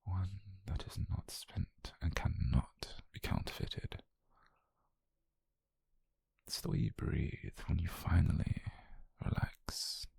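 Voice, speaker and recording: A British man playing an obsessive, possessive mafia boyfriend, calm and dangerous, in a slow, controlled, breathy half-whisper for an intimate ASMR roleplay. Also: low-pitched, dry recording, exaggerated voice. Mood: possessive tenderness. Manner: slow, controlled, menacingly tender murmur. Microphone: close microphone, dry.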